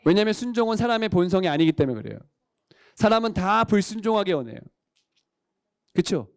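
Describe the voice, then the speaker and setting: Lively high-voiced preacher. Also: male voice, brisk, gravelly, dry recording, studio quality. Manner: animated, quizzes the congregation and calls for amens. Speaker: pastor. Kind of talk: sermon. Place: church worship service.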